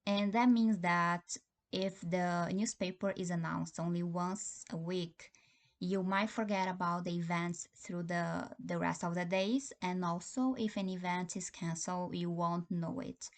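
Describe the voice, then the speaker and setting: Young woman, low voice. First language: Portuguese. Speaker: test taker giving sample answers. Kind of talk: timed spoken exam answer.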